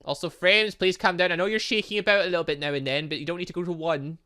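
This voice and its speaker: A man's voice: high-pitched, steady tone, quick pace, sharp tone, clear, resonant tone. A man giving casual let's play commentary on a visual novel, chatting and thinking aloud as he plays and reading bits of game text. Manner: chatty, thinking aloud, muttering asides to himself. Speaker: gaming channel host playing a visual novel.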